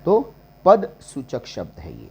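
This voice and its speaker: A man teaching a grammar lesson, slowly listing example words one at a time. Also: medium pitch, wildly swooping pitch, gravelly, warm tone, slightly rough. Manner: slow and deliberate, listing examples word by word. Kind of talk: classroom-style grammar lesson.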